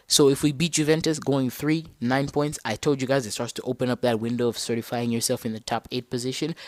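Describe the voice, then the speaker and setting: A young man from Zambia hosting a casual solo football podcast, talking in a slangy, animated way and correcting himself as he thinks aloud. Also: a little high, no room sound. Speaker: podcast host.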